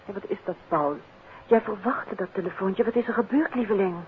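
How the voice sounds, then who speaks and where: Actress as wry wife on tinny old radio. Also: female voice, mid-range voice, fairly quick, close to an everyday voice. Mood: concerned, curious. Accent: Netherlands Dutch. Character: detective's devoted wife, wry, curious, teasing. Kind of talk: 1950s Dutch radio play acting. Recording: tinny, noisy 1950s radio recording.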